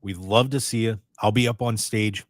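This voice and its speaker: A man hosting a radio show in casual, rambling chat, his voice a little raspy and strained. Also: fairly low pitch, normal speed, no room sound, clean studio sound. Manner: chatty, excitable, rambling. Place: radio studio.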